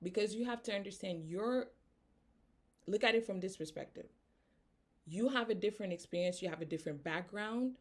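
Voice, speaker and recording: A woman's voice: medium pitch, brisk, pauses often. A woman from Haiti with a Haitian accent, giving an earnest motivational talk and tagging her points with "right?". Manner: earnest, tags statements with "right?". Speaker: business coach.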